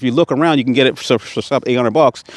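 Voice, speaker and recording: A man speaks over noticeable background noise. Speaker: gun reviewer. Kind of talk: product review. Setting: outdoor shooting range. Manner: fast.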